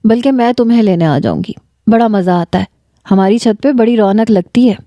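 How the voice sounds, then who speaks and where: A woman's voice: a little high, mellow, dry recording, dull audio, close to an everyday voice. A woman voicing a confident, talkative young college girl in a storybook reading. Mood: brash. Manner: talkative, brash, self-assured.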